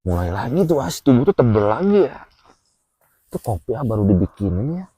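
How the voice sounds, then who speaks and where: A man telling his personal experience in a casual chat, animated and full of fillers. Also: mid-range voice, brisk, breathy edge, no room sound. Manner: animated, with frequent filler "ah" and "A", acts out gestures while telling.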